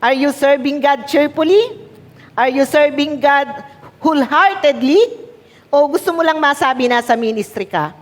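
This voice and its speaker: A woman's voice: sits high, a little slow. A woman pastor with a Filipino accent preaching a sermon, switching between Tagalog and English, repeating key words for emphasis and calling on the congregation to answer. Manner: mixes Tagalog and English, asks the congregation for responses. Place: church hall. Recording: long hall reverb.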